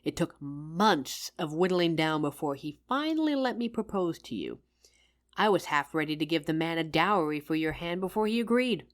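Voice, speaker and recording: Woman acting a loving, low-voiced career-woman wife. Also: lively intonation, moderate pace. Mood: earnest, affectionate. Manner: tender, teasing, conversational. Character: loving, tired career-woman wife talking to her househusband. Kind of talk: intimate roleplay audio, scripted monologue.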